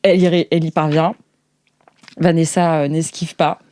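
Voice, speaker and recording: A woman's voice: sits low, normal speed, a little hiss or hum. Woman game master, casually telling the story. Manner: animated storyteller addressing the players, informal slangy speech. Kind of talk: improvised narration of a tabletop roleplaying game.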